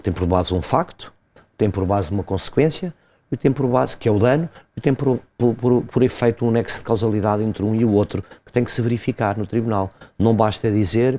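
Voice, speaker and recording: A man, a lawyer explaining a legal case step by step in an interview, pausing and hesitating often. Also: lowish voice, dark tone. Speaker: lawyer commenting as guest.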